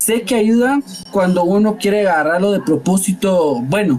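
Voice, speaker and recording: Speaking at a moderate pace with ordinary pitch variation, the voice comes through over noticeable background noise. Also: man. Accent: Guatemalan. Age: 20s. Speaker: podcast guest. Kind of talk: casual chat.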